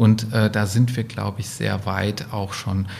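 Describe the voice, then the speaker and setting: A man's fairly low, monotone, flat voice amid noticeable background noise. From Switzerland. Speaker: company CEO. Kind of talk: interview. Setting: company office.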